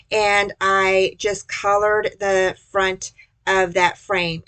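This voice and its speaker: A woman's voice: mid-range voice, fairly bright tone, no echo. A woman giving casual, chatty step-by-step instructions in a folksy way, as the host of a craft tutorial.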